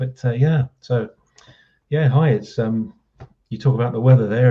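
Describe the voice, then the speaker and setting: The voice has a dark, mellow, somewhat breathy tone, ordinary pitch variation and a moderate pace. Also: man. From southern England. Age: 60s. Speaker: druid order member. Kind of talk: casual chat. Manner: halting, many fillers.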